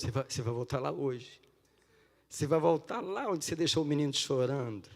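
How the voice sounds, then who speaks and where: Male pastor, mid-pitched voice, fervent sermon swinging loud to hushed, long church reverb. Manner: impassioned, swinging from loud cries to hushed pleading. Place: church sanctuary.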